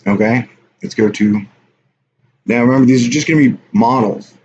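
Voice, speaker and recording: A man's voice: mid-range voice, moderate pace, a little mellow. A man hosting a casual live stream, rambling offhand and reading viewer chat aloud. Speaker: livestream host. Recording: dull lo-fi stream audio with faint hiss.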